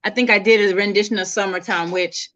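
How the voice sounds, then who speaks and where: A woman's voice: medium pitch, fairly even intonation, fast talker, sharp tone. A woman singer being interviewed, chatting casually and laughing often.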